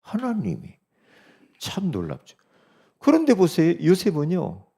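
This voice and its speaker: A middle-aged man preaches to his congregation in a chatty, conversational sermon. His pitch swings widely and sits a little high for a man. His tone stays mellow and soft-edged, and he keeps checking in with his listeners. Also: huge pitch swings, a little slow, slightly rough. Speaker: pastor.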